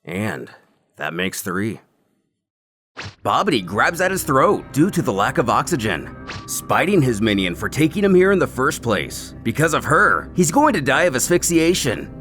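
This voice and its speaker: A man's voice: mid-range voice, huge pitch swings, moderate pace, a bit bright. A man narrating an action story in a theatrical, scripted style, with music playing behind him. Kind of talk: dramatic scripted comic narration. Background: dramatic background music.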